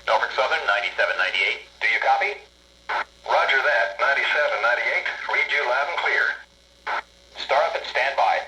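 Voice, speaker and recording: A man's voice: medium pitch, brisk, sharp tone. A man voicing railroad crew and a dispatcher trading calls over walkie-talkie radio, in clipped radio protocol. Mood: businesslike. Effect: walkie-talkie radio chatter played through a model train's speaker. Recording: echoey, very noisy radio playback.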